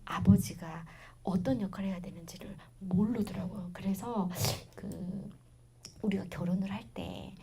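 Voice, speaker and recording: A middle-aged woman with a regional Korean accent giving a parenting lecture, telling stories in a chatty way that swings between loud bursts and soft asides. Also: medium pitch, fairly even intonation, normal speed, slight background noise. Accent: Korean regional dialect.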